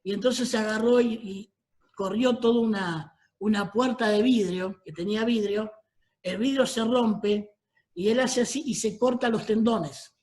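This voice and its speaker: Rioplatense pastor preaching with storytelling. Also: male voice, sits high, unhurried, a little mellow. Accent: Rioplatense Spanish. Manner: storytelling, asks the congregation for amens. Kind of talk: sermon.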